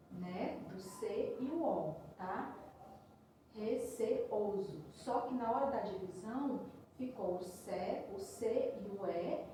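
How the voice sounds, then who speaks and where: A woman teacher walks her students through a lesson, spelling out each example and pausing to check they follow. Her voice is mellow and sits back from the mic. A heavy room echo and faint noise hang around it. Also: mid-range voice, recorded from a distance. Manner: patient, spells out syllables slowly, checks in with "tá certo?". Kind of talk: recorded online lesson.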